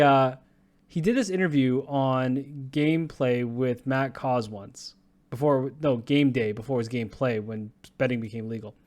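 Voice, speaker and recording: A man's voice: mid-range voice, a little mellow. A young man co-hosting a casual sports podcast, ranting bluntly and profanely, often breaking into laughs. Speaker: podcast co-host.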